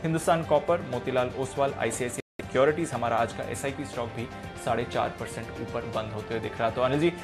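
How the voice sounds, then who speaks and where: A man with an Indian accent giving a rapid stock market roundup, rattling off stock names in quick lists. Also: mid-range voice, fairly even intonation, over music. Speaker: market reporter.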